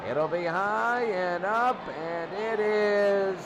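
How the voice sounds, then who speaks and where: A man doing excited football play-by-play in short clipped phrases, repeating downs and yardage. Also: high-pitched, very slow, muffled recording. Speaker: play-by-play announcer. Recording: noisy game broadcast, loud crowd. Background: loud crowd and heavy background noise.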